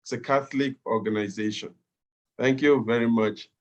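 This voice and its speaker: A man's voice: mid-range voice, fairly even intonation, moderate pace, muffled recording. A man from Cameroon who works for a Catholic peace commission, introducing himself politely on a video call.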